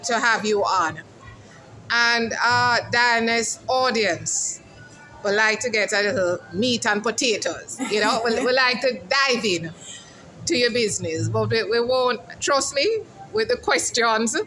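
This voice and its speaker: A woman's voice: on the high side, measured pace, bright, forceful tone, faint music behind, poor audio. A woman hosting a casual outdoor interview vlog, chatty and calling her viewers "guys". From Jamaica. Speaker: host. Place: outdoors at a mall food court.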